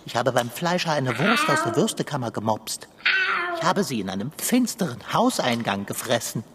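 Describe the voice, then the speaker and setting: Casting: a woman as a theatrical, self-pitying black tomcat for a children's audio play, pitch swooping wildly, over a noisy hiss. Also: sing-song, normal speed. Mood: whiny. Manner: dramatic, theatrical complaining.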